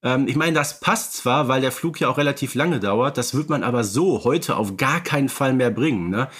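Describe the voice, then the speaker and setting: A man in casual podcast conversation, thinking aloud and often pausing on fillers. His pitch sits in the ordinary middle for a man, and he talks in an unhurried, easygoing way. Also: fairly bright tone, husky. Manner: reflective, many fillers and restarts. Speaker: podcast co-host. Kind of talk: casual chat.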